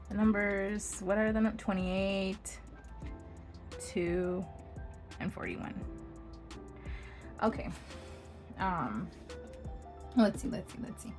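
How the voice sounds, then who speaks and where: A woman doing a casual pick-a-card tarot reading, chatty and bubbly, laughing often and filling her talk with "like.". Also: mid-range voice.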